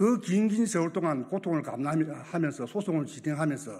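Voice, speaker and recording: With vocal fry and lively intonation, a man speaks in a fairly high pitch on a very clean recording with a silent background. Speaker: labor union official. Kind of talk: press conference statement. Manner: slow.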